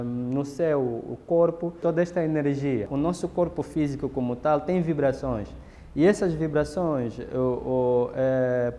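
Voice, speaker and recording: A man's voice: mid-range voice, mellow. A man explaining ritual practice in a documentary interview, lecturing and often adding tag questions. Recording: roomy echo with long reverb.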